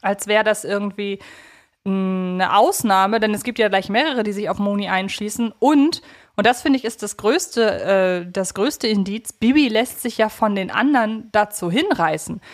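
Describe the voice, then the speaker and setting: A woman's voice: medium pitch, moderate pace. A woman co-hosting a podcast, analysing a story conversationally in a frank and opinionated way. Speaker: podcast co-host. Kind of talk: conversational analysis of an audio drama.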